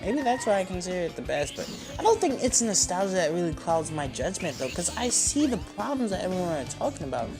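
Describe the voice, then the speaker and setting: A man's voice: sits high, very animated, fast talker, few pauses. A young man giving casual, rambling gameplay commentary, informal and reminiscing as a let's play host. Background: game music.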